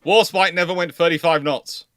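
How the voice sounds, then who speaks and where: A man with a bright, forceful voice and a dry, close sound hosts a live history stream. He talks casually and explains at length, wandering off into asides and repeating himself as he goes. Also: fairly high pitch, steady tone, normal speed, no room sound.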